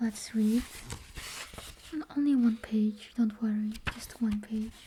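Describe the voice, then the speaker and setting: Soft-spoken woman's fairly high pitch in a monotone, flat intonation, at a very slow pace over noticeable background noise. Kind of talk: casual ASMR talk to listener. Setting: studio, binaural microphone recording.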